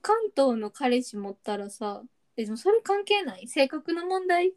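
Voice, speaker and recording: A woman's voice: high-pitched, very animated, normal speed. A young woman with a Kansai accent, chatting casually and asking questions on a podcast. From Osaka, Japan. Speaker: podcast co-host. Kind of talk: casual chat.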